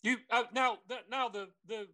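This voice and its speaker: A man's voice: very high voice, steady tone, moderate pace, bright, forceful tone. A man with a Southern American drawl chatting casually and jokingly as a podcast co-host.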